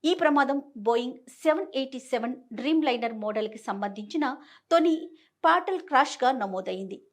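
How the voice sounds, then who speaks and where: A woman's voice: high voice, expressive, normal speed. A woman presenting news as a scripted narration.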